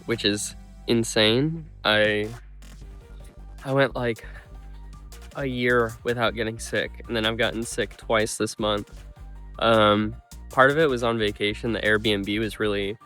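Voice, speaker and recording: A man's voice: lowish voice, steady tone, a little slow, long pauses, sharp tone, faint music behind. Stuffed-up man rambling about his run. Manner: rambling, full of ums and likes. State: stuffed-up nose and congested. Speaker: running vlogger. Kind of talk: casual vlog recap.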